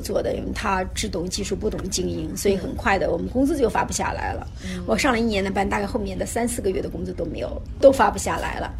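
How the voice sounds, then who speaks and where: A woman talks at a very fast pace with hardly any pauses. Audible room echo and noticeable background noise surround her. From China, Henan. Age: 50s. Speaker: entrepreneur and mother. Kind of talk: interview.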